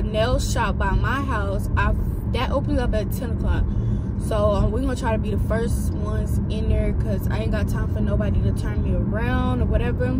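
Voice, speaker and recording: The sound is dry with no echo, the pace is moderate, and there is loud background noise. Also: woman, ordinary pitch variation. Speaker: vlogger. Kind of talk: casual vlog chat. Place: car. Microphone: phone near.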